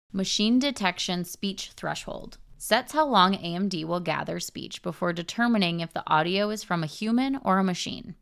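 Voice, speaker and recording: A young woman presenting a tutorial, reading scripted technical narration in a measured, instructional way. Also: lowish voice, gravelly.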